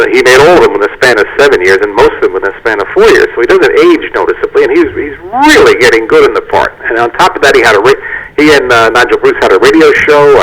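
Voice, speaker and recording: A man's voice: medium pitch, a bit bright, rough recording. A man in his sixties, a guest on a community TV show, talking casually about an old film with many fillers and restarts. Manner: chatty, anecdotal, frequent fillers and restarts. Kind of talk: casual studio interview. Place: community TV studio.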